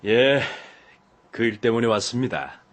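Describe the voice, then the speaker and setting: A tall, friendly workman, voiced by a man, drawls along in an audiobook, hesitating with little fillers. His pitch sits mid-range but swings widely as he talks, and his delivery stays loose and unhurried. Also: expressive, natural voice. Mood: easygoing. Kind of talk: audiobook dialogue.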